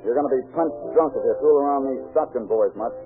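An actor playing a terse, wary crook in a 1930s radio drama on a tinny old broadcast. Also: male voice, medium pitch, fast talker, music in the background, close to an everyday voice. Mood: curt.

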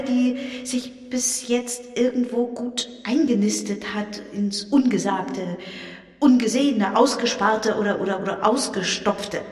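A woman in a poetic spoken-word radio piece, musing and hesitant as she searches for words, her voice ringing with a cavernous cave-like echo. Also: on the high side. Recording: echoey, roomy sound from a distance with faint ambience.

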